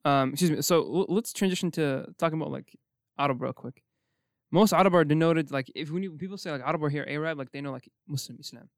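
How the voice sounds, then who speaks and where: A young man from Morocco hosting a casual podcast chat. He rambles quickly, full of "like" and "you know what I mean". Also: a little high, creaky, no echo, clean studio sound. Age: young adult. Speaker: podcast host.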